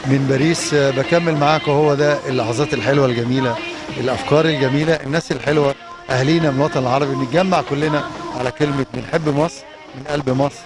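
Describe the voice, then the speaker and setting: Holding a handheld mic beside a fountain in a city square, an Egyptian Arabic-accented talk show host chats upbeatly on location. His voice is medium-pitched and steady, very fast, with music playing in the background.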